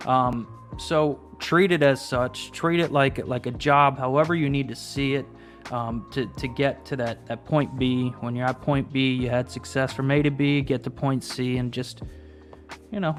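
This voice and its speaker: A man's voice: medium pitch, fairly even intonation, moderate pace, faint music behind. A man in his late thirties hosting a casual chat over drinks, rambling and restarting his sentences. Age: 30s. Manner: rambling, restarts and repeats words. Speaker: host.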